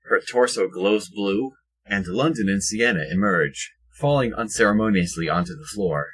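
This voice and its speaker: A man reading scripted third-person narration for an audio drama in a husky voice. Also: on the low side, normal speed, a bit bright, low-quality recording.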